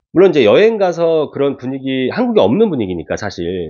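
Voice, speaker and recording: A man with a fairly high pitch lets his voice swing very widely up and down. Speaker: vlogger married to Japanese wife. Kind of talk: casual monologue to camera. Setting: living room at home.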